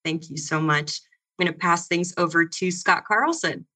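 Brief: woman panel moderator, bright and clear, friendly and brisk. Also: lowish voice. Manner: friendly and upbeat, keeps things moving.

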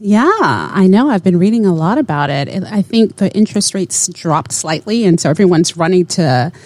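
A woman's voice: fairly low pitch, lively intonation, moderate pace, darkish tone, dry recording. A woman hosting a podcast interview, opening with an upbeat, scripted welcome and asking questions. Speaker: podcast host.

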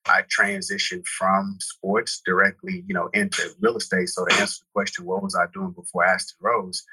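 A deep-voiced man from Houston, Texas, talks in an even, flat line. His tone is bright and a little husky, recorded dry and close. He rambles loosely and leans on many "you know" fillers. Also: moderate pace, no room sound, low-quality recording. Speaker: guest, real estate brokerage founder. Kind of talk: casual interview talk.

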